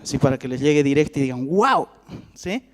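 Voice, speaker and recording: A man's voice: mid-range voice, very fast. A man preaching a sermon, telling the story with animation and asking his listeners questions. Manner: animated storytelling, acts out voices, asks the audience questions. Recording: long hall reverb.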